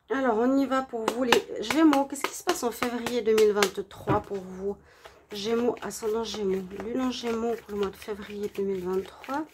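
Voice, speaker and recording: A woman with a stuffy nose from a cold gives a relaxed tarot reading for her viewers, gentle and halting with many hesitations. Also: a little high, a little hiss or hum. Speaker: tarot reader.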